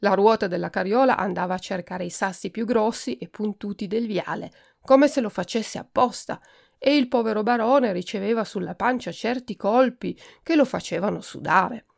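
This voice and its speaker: Gravelly-voiced woman reading a storybook. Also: mid-range voice, normal speed. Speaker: podcast host reading a children's book.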